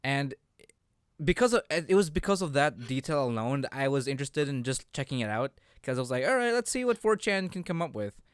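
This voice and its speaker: Young guy podcast chat, smooth clear voice, dry close sound, rambles and restarts a lot. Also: medium pitch, very animated, dry recording. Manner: halting, rambling, repeats words. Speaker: podcast co-host. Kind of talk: casual unscripted chat.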